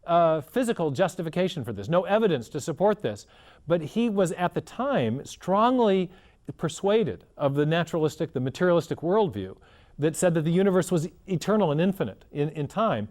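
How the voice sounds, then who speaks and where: A man's voice: a little high, big pitch swings, a little fast, darkish tone. A man as an interview guest, explaining in an earnest, storytelling way and often restarting his phrases. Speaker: guest scholar.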